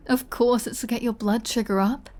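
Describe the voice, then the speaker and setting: A woman's voice: a little high, fairly even intonation, normal speed, a little mellow, lightly acted. A woman playing a flirty, sardonic female vampire in an intimate ASMR roleplay, with a teasing, dry and bossy manner.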